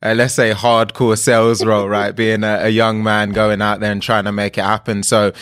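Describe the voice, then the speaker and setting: A man's voice: on the low side, flat delivery, moderate pace, fairly bright tone, smooth, no echo, clean studio sound. A young man hosting a podcast interview, upbeat and enthusiastic with his guest. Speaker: podcast host.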